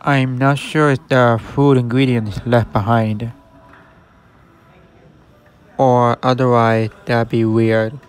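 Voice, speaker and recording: Pausing often and moving slowly, a man with a clear, resonant, medium-pitched voice tells his viewers about a closed restaurant. He's a vlogger of shuttered stores, speaking evenly and matter-of-factly outside a shopping center storefront amid faint traffic noise.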